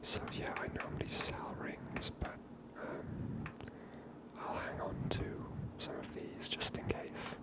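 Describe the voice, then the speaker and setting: Whispering woman, ASMR game host. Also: slow. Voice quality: breathy whisper. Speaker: gaming host.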